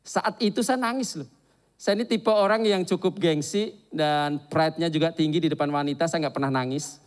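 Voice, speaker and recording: A man preaching a sermon and telling a candid personal story in an animated, confessional way. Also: a little high, moderate pace, smooth.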